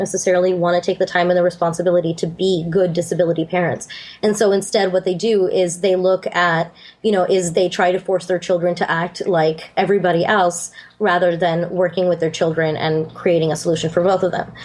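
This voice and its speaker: A woman talks very fast in a monotone, flat intonation with very even loudness. Noticeable background noise runs underneath. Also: medium pitch for a woman. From immigrant family, grew up abroad then moved. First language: not English. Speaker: author. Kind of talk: podcast interview discussion. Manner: hesitant, many fillers.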